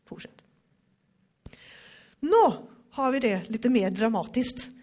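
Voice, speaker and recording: A woman giving a devotional Bible teaching, reading verses slowly and with emphasis, then talking them over. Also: a little high, lively intonation, breathy edge.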